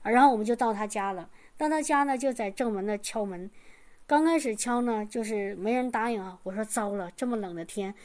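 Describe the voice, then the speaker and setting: A middle-aged woman telling a personal testimony to a church congregation, earnest and halting, often restarting her sentences. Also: a little high, a little mellow. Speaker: church member sharing a testimony.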